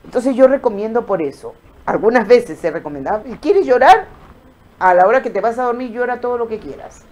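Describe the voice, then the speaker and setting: Expressive woman giving a motivational talk. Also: a little high, a little fast. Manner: expressive, acts out quoted voices, addresses viewers directly. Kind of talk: motivational talk on emotions and the brain.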